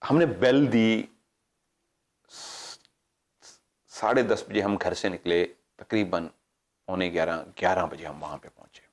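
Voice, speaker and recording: Guy, kinda low voice, chatty ghost story host, does all the voices, wanders off track. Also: measured pace, pauses often. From Pakistan. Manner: animated, acts out quoted dialogue, digresses and corrects himself. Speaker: paranormal show host telling a story. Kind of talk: casual storytelling.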